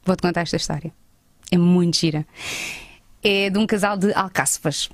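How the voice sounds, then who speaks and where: A woman in her thirties with a European Portuguese accent, telling a lively travel story as a guest in a casual chat. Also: on the low side, moderate pace, dry recording. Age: 30s.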